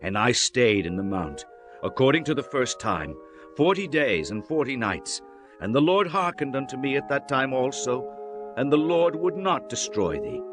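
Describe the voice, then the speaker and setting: A man playing a solemn prophet exhorting his people in a measured, declamatory reading of dramatized scripture. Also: medium pitch, big pitch swings, close to an everyday voice. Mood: solemn recounting. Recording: music under the voice. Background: music.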